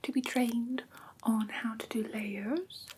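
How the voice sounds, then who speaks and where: A gentle female vampire instructor, played by a woman, whispers a pet care lesson in an ASMR roleplay. Her breathy whisper is very slow and patient, pitched a little high. It sits close to the mic over faint noise and soft clicks. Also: fairly even intonation. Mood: gentle, instructive. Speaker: host of a roleplay class, as instructor.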